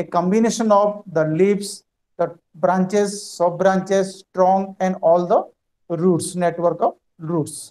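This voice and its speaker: With an Indian accent, the speaker has a dark, mellow tone and fairly even intonation. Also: man. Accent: Indian English (Odia). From India, Odisha. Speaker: university resource person lecturing economics. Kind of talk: lecture. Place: classroom. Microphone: audio problem at start; earbuds.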